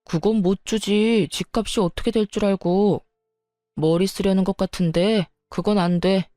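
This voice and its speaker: A cold, scheming young husband speaks in a dismissive, flat tone, as a woman reads him out in a storybook drama. His voice sits mid-range and mellow, and it is close and dry. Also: mid-range voice, normal speed, dry recording, faint music behind, natural voice.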